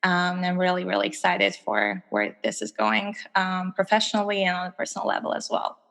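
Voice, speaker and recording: Gravelly young woman from Albania. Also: lowish voice, sing-song, fairly quick, a bit bright, in a large hall. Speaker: guest therapist. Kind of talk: podcast interview.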